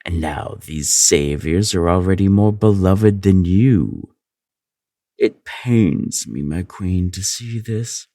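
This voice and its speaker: Slow, deep-voiced scheming royal advisor. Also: male voice, warm tone, no room sound, clean studio sound. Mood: insinuating. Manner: insinuating, obsequious, drawn-out delivery. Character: scheming male royal advisor, silky, sly, manipulative flatterer. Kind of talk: dramatic fantasy audio drama acting.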